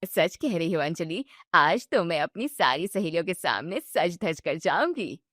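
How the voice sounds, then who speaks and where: A woman's voice: on the low side, sing-song, a little slow, a bit bright, dry recording, clean studio sound, voice pushed down, full character voice. A woman voicing a middle-aged mother-in-law who teases and laughs at others. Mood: delighted.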